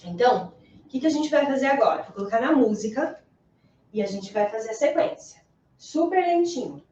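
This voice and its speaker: A woman with a Brazilian accent teaching an online ballet lesson, demonstrating moves and checking in often with quick questions. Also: a little high, animated, a little mellow. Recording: echoey room, distant mic, dull sound.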